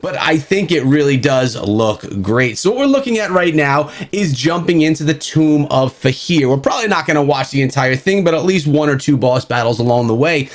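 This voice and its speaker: A man with a slightly high voice gives casual game commentary. He is a chatty host who talks straight to his viewers. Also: lively intonation, normal speed, hardly any pauses. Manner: chatty, addresses viewers directly. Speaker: gaming video host.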